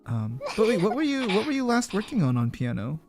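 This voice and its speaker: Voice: mid-range voice, sing-song, a little fast, music in the background. A streamer hosting a casual chat with a guest, chatty and encouraging, with many fillers and restarts. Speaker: streamer host.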